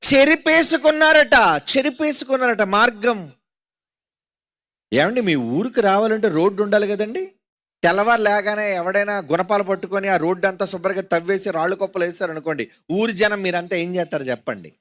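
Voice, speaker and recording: A man's voice: high voice, quick pace. A man preaching a sermon at an open public meeting, dramatic, with rhetorical questions and repeated phrases.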